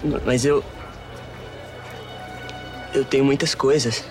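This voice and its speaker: A man's voice: mid-range voice, steady tone, takes it slowly, natural voice. A man playing an earnest rich young man. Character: wealthy young man, eager then reluctant. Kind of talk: dramatized Bible scene. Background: music.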